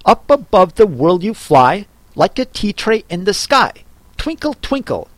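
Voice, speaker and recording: A man voicing a fussy, contrary hatter who grumbles and talks down to others in quick bursts. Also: high-pitched, sing-song, dry recording, pitched above the performer's own voice. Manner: grumbling, contemptuous, quick talker.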